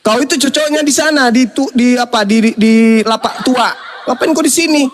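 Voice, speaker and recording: A man's voice: extremely high pitch, moderate pace, a little hiss or hum. A man, hosting a heated livestream debate, mocking and scolding with bursts of laughter. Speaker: debate host.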